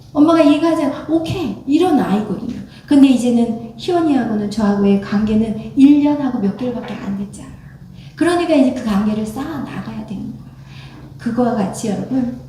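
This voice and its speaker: A woman's voice: a little high, dark tone, slight background noise. A woman pastor preaching a sermon in a conversational, storytelling way, often quoting herself and her family. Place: church sanctuary. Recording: echoey church hall from far off.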